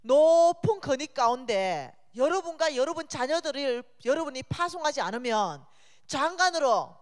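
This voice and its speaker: A woman giving a sermon as a guest speaker in a church, animated and chatty, joking with the congregation. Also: high-pitched. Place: church sanctuary. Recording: long reverb of a church hall.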